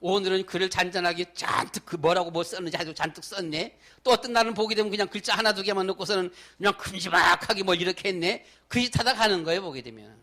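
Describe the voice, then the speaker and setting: A middle-aged male pastor delivers a sermon in an emphatic, conversational way, stacking up lists and repeating his points. His voice sits high for a man. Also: fast talker, few pauses, bright, forceful tone. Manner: emphatic, repetitive, conversational preaching.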